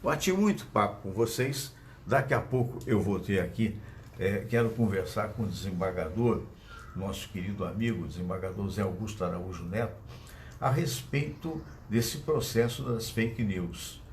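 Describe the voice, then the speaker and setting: This live-show host, a man with a Brazilian Portuguese accent, rambles casually to his audience, talking into his phone as a microphone. He sounds animated, with a lowish voice at a moderate pace and slight background noise.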